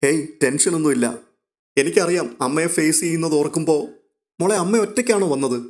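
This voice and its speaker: A man's voice: a little high, a little fast, pitched above the performer's own voice, lightly acted. A man voicing an anxious, emotional young woman whose voice wavers as she talks. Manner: soft, hesitant, breaking voice.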